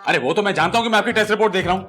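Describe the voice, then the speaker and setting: A man's voice: sits high, rapid-fire, bright, forceful tone, faint music behind. An actor playing a goofy young errand boy who clowns around and teases. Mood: clowning. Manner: clowning, playful.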